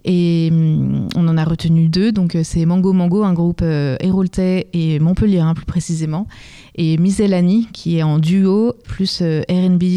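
A woman's voice: lowish voice, dark tone. A woman answering as an interview guest for a music venue, explaining things in a conversational, welcoming way.

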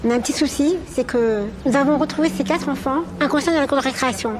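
A high-voiced, brisk school headmistress who speaks formally and with concern, played by an actress. Her voice comes from a film soundtrack with clear noise behind it. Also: natural voice.

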